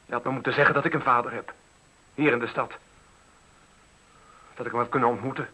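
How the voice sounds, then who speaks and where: A sharp, tense teenage son in a Dutch radio play, with some huskiness in the voice. He sounds hurt and confused, and speaks in an intense, accusing, confrontational way. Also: medium pitch, fairly even intonation, brisk, low-quality recording. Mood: bitter, hurt.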